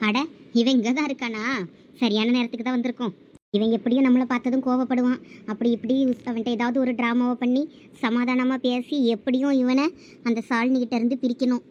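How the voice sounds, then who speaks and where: A scheming, jealous former lover, voiced by a woman, plots in sly asides in a Thoothukudi Tamil accent. The voice sits high and runs quick, with a dull lo-fi sound. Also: level tone, darkish tone, slight background noise, close to an everyday voice. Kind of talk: cartoon voice acting.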